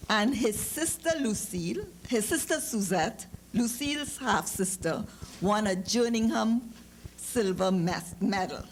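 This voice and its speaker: Trinidadian woman reading aloud, noisy recording. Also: medium pitch. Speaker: author giving a public reading. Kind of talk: literary story reading with informal asides. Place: live lecture event. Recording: noticeable background noise, clicks.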